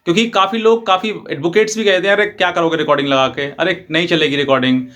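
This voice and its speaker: A man with a slightly high voice speaks as a lawyer giving advice. He explains step by step in an informal way, circling back over his points and mixing in English legal terms. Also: steady tone, fast, fairly bright tone. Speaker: advocate presenting legal advice videos.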